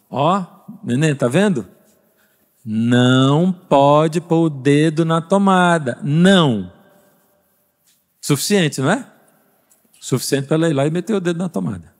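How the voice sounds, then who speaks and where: A Brazilian pastor delivers a conversational sermon, his voice a little husky and sitting somewhat high for a man. His pitch swings widely as he tosses questions to the congregation. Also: darkish tone. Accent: Brazilian Portuguese. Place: church service.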